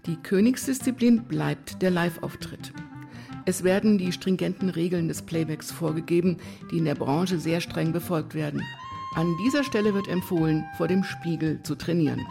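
A woman's voice: fairly low pitch, normal speed, gravelly. A woman reading scripted instructional narration in a formal, mock-official manner. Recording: music behind the voice. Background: music.

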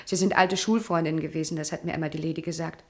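A woman's voice: low voice, steady tone, fast, a little mellow. Prickly, precise young woman. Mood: precise, composed. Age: 20s. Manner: pointed, precise, slightly indignant. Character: young household lady companion, prickly, precise, haughty suspect. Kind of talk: German radio crime drama acting.

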